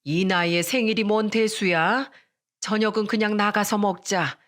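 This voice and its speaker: A woman's voice: mid-range voice, fairly even intonation, unhurried, fairly bright tone, lightly acted. A woman voicing an older mother-in-law, firm and scolding. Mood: gentle. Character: stern but kind older mother-in-law.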